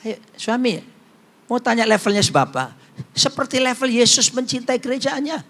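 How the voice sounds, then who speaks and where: A man's voice: very high voice, very animated, brisk, fairly bright tone. A middle-aged male pastor, preaching a humorous sermon and telling stories in a jokey way. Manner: jokey storyteller, acts out quotes, slips into Javanese phrases.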